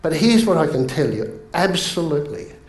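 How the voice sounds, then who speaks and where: An Australian man giving an energetic, jokey motivational seminar talk, addressing the crowd. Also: fairly high pitch, normal speed. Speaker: motivational speaker. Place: large seminar room. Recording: echoey room.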